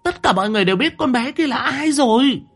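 A man's voice: mid-range voice, expressive, brisk, breathy edge. A man voicing a furious, bossy middle-aged mother who screeches threats and scoldings.

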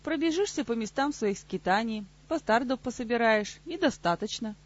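A woman's voice: fairly high pitch, animated, moderate pace, dull audio, pitched above the performer's own voice. A woman voicing a sarcastic, sneering man in an audiobook, grumbling mockingly. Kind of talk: audiobook character voice.

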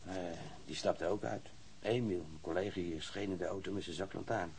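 A man's voice: low voice, darkish tone, slight background noise. An actor playing a wounded, subdued patrol policeman who speaks hesitantly in a radio drama. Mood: shaken recounting. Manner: hesitant, halting recollection.

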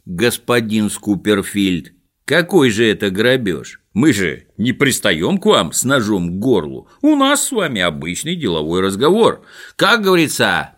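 A man's voice: mid-range voice, bright, forceful tone, voice pushed up, heavily acted. A man voicing a smug, sly swindler who lectures in a mock-polite tone. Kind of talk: audiobook character voice.

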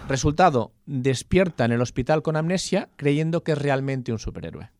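Relaxed joking man co-hosting a film chat. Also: fairly high pitch, normal speed, no room sound, clean studio sound. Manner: relaxed, joking, retells plots at length. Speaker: podcast co-host. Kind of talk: casual film-release chat.

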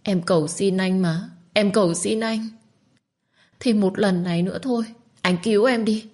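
A woman's voice: normal speed, darkish tone, close to an everyday voice. A woman voicing a desperate young woman who begs tearfully to keep her child. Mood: pleading tearfully. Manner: tearful, begging, high and pressing.

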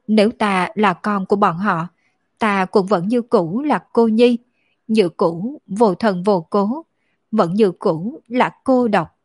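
A woman voicing a lonely, orphaned young woman who speaks slowly with grief and a choked edge. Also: mid-range voice, husky, dry recording, clean studio sound. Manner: slow, grieving, choked delivery.

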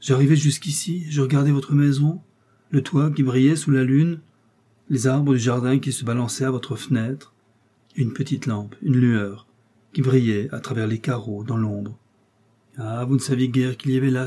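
A man reading a novel aloud and voicing a smooth, scheming male seducer who pleads with melancholy passion. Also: mid-range voice, flat delivery, normal speed, mellow, lightly acted. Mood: impassioned. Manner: melancholy, impassioned declarations. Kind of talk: audiobook character voice.

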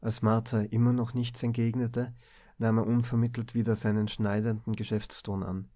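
A man narrating a novel as an audiobook, with calm, even storytelling. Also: on the low side, normal speed. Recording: dull lo-fi recording.

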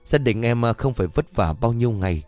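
A grateful young woman chats eagerly and asks questions, as a man narrating puts her on. The tone is lively, with faint music behind it. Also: medium pitch, brisk, dry recording, lightly acted.

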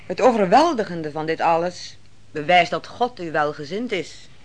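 An actress playing a stern, devout biblical prophetess in a radio drama, speaking in a solemn, measured way. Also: female voice, lowish voice, animated, lightly acted. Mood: stern, probing. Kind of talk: theatrical radio drama dialogue.

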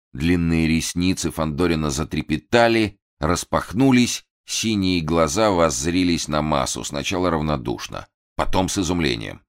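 Brief: low-voiced male narrator, lively intonation, theatrical audiobook reading.

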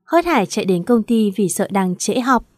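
A woman reading a story aloud in a steady, plain narration. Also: mid-range voice, normal speed, no echo, clean studio sound. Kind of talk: scripted narration.

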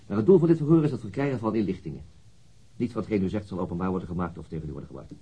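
An actor playing a formal, persistent police investigator questioning a witness in a radio drama, with probing questions and hesitant pauses. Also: male voice, on the low side, darkish tone, husky, low-quality recording. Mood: formal, measured.

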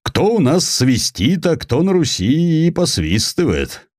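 An actor voicing a brash, folksy Cossack chieftain who talks boastfully and defiantly in colloquial peasant speech. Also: male voice, on the high side, sing-song, measured pace, no room sound, studio quality, voice pushed up. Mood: sly.

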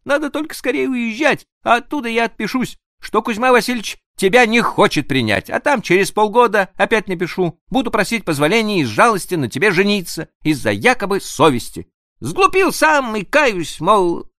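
Brief: a man playing a bright, eager young officer in a storybook reading. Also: high-pitched, very animated, moderate pace, no echo, studio quality, voice pushed up, full character voice. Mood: excited. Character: young dashing male officer, eager and teasing.

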